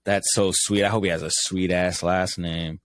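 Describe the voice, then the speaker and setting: A man's voice: low voice, little pitch movement, normal speed, no echo. A man co-hosting a podcast, chatting casually and jokingly with slang and swearing. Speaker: podcast co-host. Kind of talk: casual banter.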